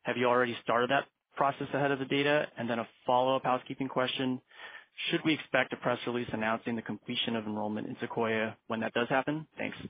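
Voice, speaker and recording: A man's voice: medium pitch, steady tone, fast talker. A man phoning into an investor call as a financial analyst, putting his questions in a businesslike way. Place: conference call. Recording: dry, tinny phone line.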